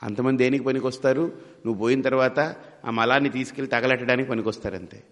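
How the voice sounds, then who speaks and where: A man's voice: mid-range voice, fairly even intonation, fast, fairly bright tone, big-room sound. A man teaching as a spiritual guide in a devotional discourse. He asks many rhetorical questions and mimics his listeners as he talks.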